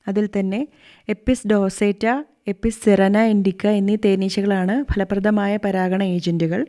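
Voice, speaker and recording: Mellow-voiced woman reading a farm talk. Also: medium pitch, a little slow, dry recording, studio quality. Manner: steady, instructive delivery. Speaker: agricultural scientist giving a radio farm talk. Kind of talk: scripted radio talk, read aloud.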